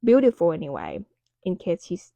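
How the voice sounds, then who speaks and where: Woman from Thailand with a Thai accent, low and gravelly, casual and rambling. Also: huge pitch swings, a little fast, warm tone, dry recording, muffled recording. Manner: talks loosely, with many "um"s and "you know"s. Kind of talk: casual talk to camera.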